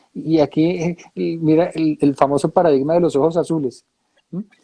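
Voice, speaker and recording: Speaking with a Colombian accent, a man has a dark, mellow tone and a fairly high pitch with ordinary variation. His pace is moderate, and the sound is dry and close with no echo. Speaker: coach and mentor. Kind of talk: interview conversation. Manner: animated.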